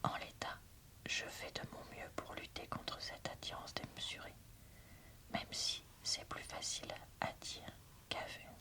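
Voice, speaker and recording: A woman softly whispers an ASMR book review and reading in an unhurried, informal way. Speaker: book reviewer and video host.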